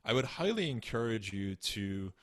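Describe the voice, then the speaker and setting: A man in his thirties from Turkey, explaining ideas in measured, earnest interview answers over a video call. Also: lowish voice, very animated. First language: Turkish. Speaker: guest author. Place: home room, indoors. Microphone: studio mic on stand, video call.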